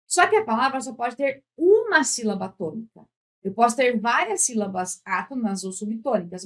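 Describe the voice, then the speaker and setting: A woman with a fairly high voice leads a grammar lesson for exam candidates. She stretches out each example word slowly and keeps checking that the listener is following. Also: fairly bright tone. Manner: patient, drawn-out words when giving examples; often checks in with "tá?". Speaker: Portuguese teacher.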